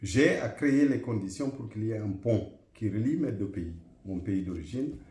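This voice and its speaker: A middle-aged man from Guinea, answering interview questions in a measured, formal way with frequent hesitations. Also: lowish voice, lively intonation, dark tone, echoey room. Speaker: interview guest, association president.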